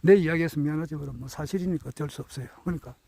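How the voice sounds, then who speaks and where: A man in his sixties giving a reflective spoken talk, earnest and hesitant, with many drawn-out fillers and self-corrections. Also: a little high, vocal fry, mellow, husky, no echo, low-quality recording. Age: 60s. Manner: earnest, self-correcting while counting out years. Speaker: speaker sharing reflections on his teachers.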